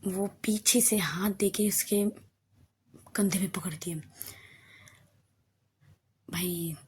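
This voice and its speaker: A woman tells an audio love story in a conversational way, at medium pitch, dropping to a hushed voice in tender passages. A faint hiss lies under the recording. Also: fairly even intonation, slow pace.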